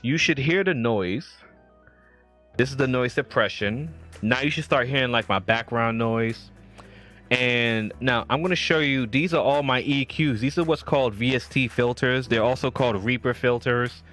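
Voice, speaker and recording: A man's voice: medium pitch, moderate pace, fairly bright tone, soft background music. Casual rambling man live streaming tech talk. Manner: loose and rambling, reads chat aloud and answers viewers. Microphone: streaming mic with audio filters.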